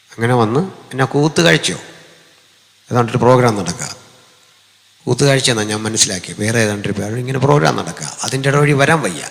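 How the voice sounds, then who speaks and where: A man preaching a sermon to a gathered congregation, joking and chatting with the crowd, then rising to loud, emphatic shouts. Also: medium pitch, creaky, big-room sound. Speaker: pastor. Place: large hall with amplifier.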